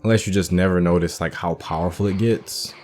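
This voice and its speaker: Over faint music, a man with a low, somewhat mellow voice hosts a relaxed let's-play, pondering the game's story aloud. He speaks a little fast with fairly even intonation.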